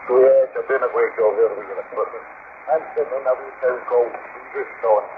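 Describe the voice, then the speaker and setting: A man's voice: mid-range voice, steady tone, brisk. Male, Scottish accent, CB radio operator, tinny narrowband reception, heavy static, courteous, repetitive phrasing. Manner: courteous, repeats phrases and call signs. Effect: CB single-sideband radio transmission. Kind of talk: CB radio contact chat.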